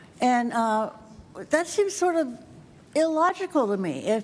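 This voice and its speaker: Against noticeable background noise, a woman with an American accent speaks at a fairly slow pace with lively intonation. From Oregon, US Pacific Northwest. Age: 70s. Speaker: public commenter at city council. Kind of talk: public comment. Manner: halting, many fillers.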